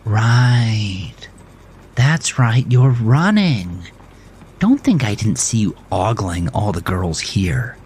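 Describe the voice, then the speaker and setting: A man voicing a hostile, confrontational woman at a gym, loud, sarcastic and accusing, in an audio drama. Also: fairly low pitch, big pitch swings, slow pace, slight background noise. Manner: accusing, sarcastic, louder than necessary.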